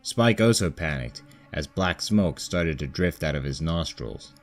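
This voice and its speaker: A man's voice: very deep voice, animated, measured pace. A man narrating scripted comedic fan fiction as a storyteller, with music behind him. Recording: background music under the voice.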